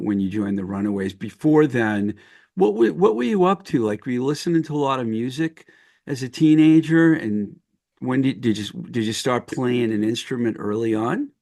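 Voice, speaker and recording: A man's voice: mid-range voice, darkish tone. A man hosting a casual podcast interview, eager and admiring as a fan. He often restarts and rephrases his questions mid-sentence. He speaks over a video call. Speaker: podcast host.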